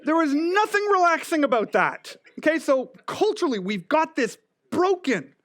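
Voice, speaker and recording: A middle-aged man with a slight lisp, preaching a sermon as pastor, animated and joking, swinging from loud to whispered. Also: very high-pitched, moderate pace. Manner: joking, self-deprecating.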